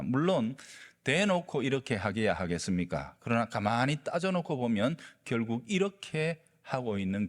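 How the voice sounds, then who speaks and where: A male pastor preaching a sermon, telling a story with lively delivery and acting out the quoted lines. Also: mid-range voice. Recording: long reverb of a large hall.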